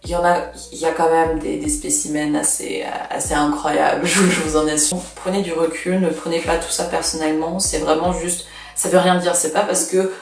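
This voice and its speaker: A gravelly, low-pitched, flat voice at normal speed belongs to a Russian woman in her twenties whose first language is Russian. She's a vlogger giving casual advice, chatty and blunt with lots of fillers, and she sounds somewhat far from the mic in an echoey room.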